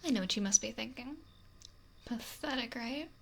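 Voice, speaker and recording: A woman voicing a possessive, lonely, wealthy female mafia boss in a whispery, breathy, domineering ASMR roleplay, close to the microphone. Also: on the high side, normal speed, fairly bright tone. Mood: bitter, lonely. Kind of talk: intimate ASMR roleplay monologue. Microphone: close binaural microphone. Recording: noisy close binaural whisper recording.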